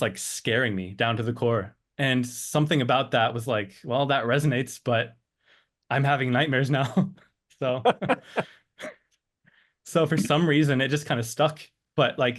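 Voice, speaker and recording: Hesitant, reflective man at mid pitch. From Switzerland and the United States. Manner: hesitant, searching for words. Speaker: interview guest. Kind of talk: reflective personal storytelling.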